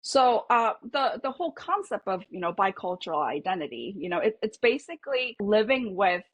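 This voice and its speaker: A woman's voice: mid-range voice, very animated, moderate pace, husky, no echo, highs cut off. A woman psychologist, originally from Korea with Korean as her first language, reflecting in a podcast interview with many fillers and restarts. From South Korea. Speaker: psychologist guest.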